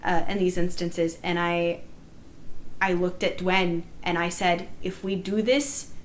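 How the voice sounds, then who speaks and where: A woman's voice: on the low side, steady tone, measured pace, poor audio. A woman recounting events in a group discussion, speaking in an emphatic, indignant, storytelling way. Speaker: player recounting a live-action roleplay game. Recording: noticeable background noise.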